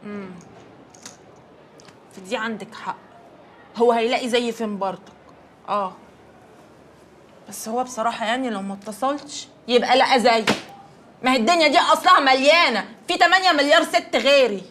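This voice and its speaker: Actress as a high, quick, stubborn young teacher in comic banter, faint score under. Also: female voice, fairly bright tone, a little hiss or hum, lightly acted. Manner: chatty, defensive, comic. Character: proud young woman teacher, lovesick and stubborn. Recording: TV drama with faint music.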